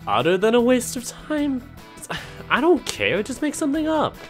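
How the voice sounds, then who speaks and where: A bossy, bookish cartoon unicorn mare voiced by a woman, forever exasperated and sarcastic. The delivery swings widely in pitch over soft background music. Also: huge pitch swings, normal speed. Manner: dry, cutting sarcasm. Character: sardonic, exasperated female unicorn pony, bossy intellectual. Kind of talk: cartoon parody dub. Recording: music behind.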